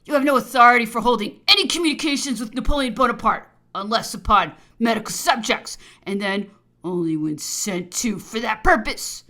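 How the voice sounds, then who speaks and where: A woman's voice: mid-range voice, fast talker, gravelly, fairly bright tone, husky, heavily acted. A woman voicing an angry, menacing, domineering British colonial governor in a dramatized memoir audiobook, imperious and accusatory. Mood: imperious anger.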